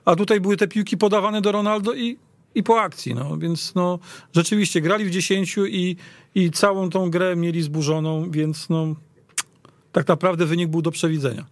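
A man giving conversational football analysis, haltingly, repeating words as he goes. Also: sits high, fairly even intonation, no echo. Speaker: football pundit.

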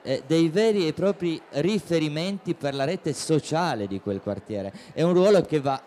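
A man's voice: on the high side, animated, moderate pace, warm tone, slight background noise. A man interviewing a guest at a book fair stand, asking long, chatty questions into a handheld mic.

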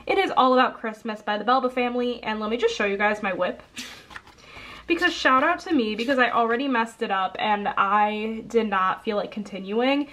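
A woman's voice: on the high side, lively intonation, moderate pace, fairly bright tone. Congested young woman chatting casually. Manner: chatty, rambling, frequent ums and self-corrections. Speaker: coloring channel host. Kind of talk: casual haul video chat. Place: indoors at a table.

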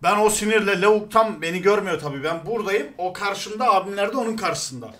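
A young man hosting a casual chat, telling stories in an animated, crude, joking way. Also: high voice, fast talker. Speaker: show host.

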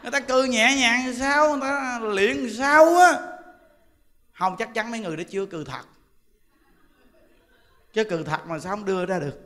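A monk with a Southern Vietnamese accent preaches in a very high, bright voice, chatty and full of jokes. His talk rings out with a long hall reverb behind him. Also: fast talker, pauses often. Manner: chatty, joking storyteller who laughs often. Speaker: Buddhist monk teaching Dharma. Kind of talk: humorous Dharma talk.

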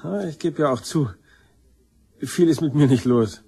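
Husky, boozy black-sheep brother. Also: male voice, on the high side, measured pace, mellow, exaggerated voice. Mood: sheepish, rambling. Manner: colloquial, slangy, self-deprecating. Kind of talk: German crime radio drama acting.

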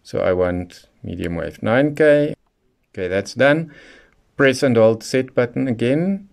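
A man presents a radio how-to guide, walking through a hands-on product tutorial methodically and step by step. His mid-range voice is expressive, unhurried and creaky, with a slightly mellow quality.

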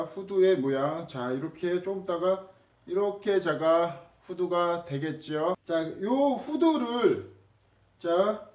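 Male sewing instructor, higher voice, casual and chatty with viewers; roomy sound, mic set back. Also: darkish tone, distant mic, dull audio. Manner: chatty, demonstrative, addresses viewers directly.

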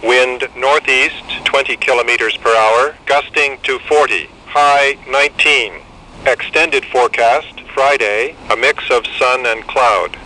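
A man's voice: medium pitch, fairly even intonation, unhurried, sharp tone, a little hiss or hum, rough recording. A synthetic man's voice reading an automated weather forecast in a segmented, pieced-together delivery through a small handheld radio speaker. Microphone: camera held near radio's speaker.

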